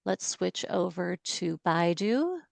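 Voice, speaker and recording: A woman walking through stock chart analysis in a measured, steady way with some fillers, speaking on a video call. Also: lowish voice, vocal fry, no echo. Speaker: market analyst.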